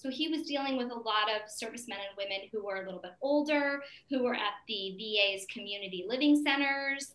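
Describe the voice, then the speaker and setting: A woman with an American accent at a fairly quick pace, amid audible room echo. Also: ordinary pitch variation. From Georgia, US South. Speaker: podcast host and actress. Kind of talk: casual chat. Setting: video call. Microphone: video call.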